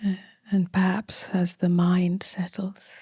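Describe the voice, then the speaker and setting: Slow, breathy woman guiding meditation. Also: on the low side, completely flat delivery, no echo, studio quality. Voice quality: soft, breathy. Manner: gentle, hushed, long pauses between short phrases. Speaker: meditation teacher. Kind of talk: guided meditation.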